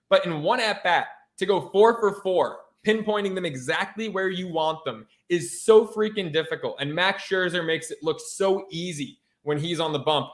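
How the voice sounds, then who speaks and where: A man's voice: a little high, fairly bright tone. A man co-hosting a sports podcast in a casual chat, brash and emphatic, swearing freely. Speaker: podcast co-host.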